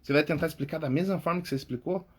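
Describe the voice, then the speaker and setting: Man, Brazilian accent, speaking coach, husky, informal tips. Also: fairly high pitch, rapid-fire. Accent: Brazilian Portuguese. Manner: informal, often says "cara" and "tá?". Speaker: public speaking coach, podcast host. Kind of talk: casual coaching talk.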